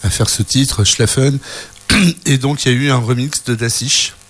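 A man co-hosting a radio music show in a relaxed, chatty way. His pitch sits in an ordinary middle range, and he stops often to hunt for the next word. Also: unhurried, husky. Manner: hesitant, many fillers and restarts. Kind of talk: casual radio chat.

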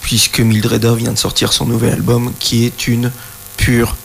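A man with a gravelly, creaky voice co-hosting a radio show in an eager, chatty way. A faint hum runs under his voice. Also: mid-range voice, completely flat delivery, normal speed. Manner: enthusiastic, repeats words while searching. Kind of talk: casual radio chat.

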